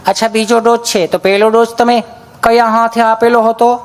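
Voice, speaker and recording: A man's voice: extremely high pitch, flat delivery, normal speed, slight background noise, voice pushed up. A man voicing a polite female nurse with a sweet, raised voice. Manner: sweetly polite, calls from a distance.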